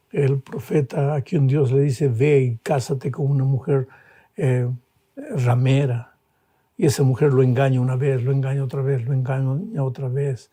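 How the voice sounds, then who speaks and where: Man, pastor preaching, very dark mellow tone, husky, impassioned sermon delivery. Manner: impassioned, rising to high emphatic peaks.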